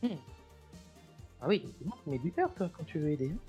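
A woman's voice: low-pitched, big pitch swings, fast talker, dark tone, faint music behind. A woman playing in a tabletop role-play game, with a playful, teasing way of talking. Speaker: player.

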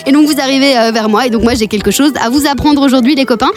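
A woman's voice: sits high, quick pace, soft background music. A woman from Belgium hosting a radio show in casual chat, playful and laughing often.

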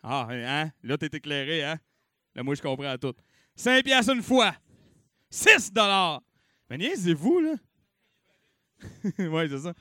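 A young Québécois man with a voice on the high side hosts a comedy-night auction, bellowing bids and tossing out jokes between them in a bouncy, animated way. He speaks slowly with long pauses. The studio-quality recording has no room sound.

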